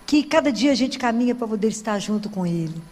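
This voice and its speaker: High-voiced woman preaching in a church. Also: fast. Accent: Brazilian Portuguese. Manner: conversational, animated storytelling with frequent "né?". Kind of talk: sermon. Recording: long reverb of a church hall.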